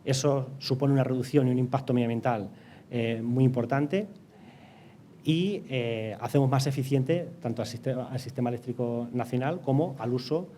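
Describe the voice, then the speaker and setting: A man's voice: mid-range voice, normal speed, dark tone, a little hiss or hum. A man with a Castilian Spanish accent giving explanatory interview answers, hesitating and repeating words as he goes. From Castilla-La Mancha, Spain. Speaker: interview guest, energy company project director.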